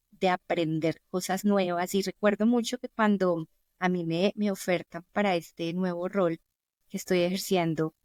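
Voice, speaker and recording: A woman's voice: fairly low pitch, a little mellow, no echo, clean studio sound. A middle-aged woman from Colombia with a Colombian accent, a podcast guest telling earnest personal stories in conversation. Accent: Colombian Spanish. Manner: earnest, anecdotal storytelling. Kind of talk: conversational interview.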